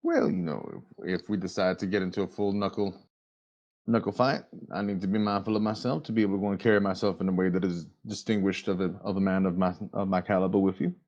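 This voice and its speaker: A man voicing a polite, guarded young male werewolf in a tabletop game, with formal, halting gentlemanly phrasing. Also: sits low, fairly even intonation, lo-fi sound, pitched below the performer's own voice, lightly acted. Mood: courtly, guarded.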